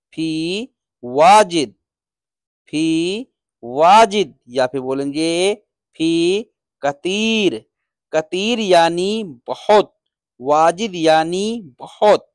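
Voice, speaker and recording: A man giving a beginner language lesson, saying every word twice and then explaining it. He speaks extremely slowly and deliberately. The recording is dry and close, with no room sound. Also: sits high, darkish tone, no room sound. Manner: repeats each word slowly and explains its meaning. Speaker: Arabic teacher.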